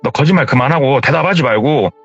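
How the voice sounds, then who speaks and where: A man voicing a stern teenage older brother who scolds his little sibling in a gruff way. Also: mid-range voice, animated, fast talker, fairly bright tone. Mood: scolding. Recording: dull lo-fi with faint music.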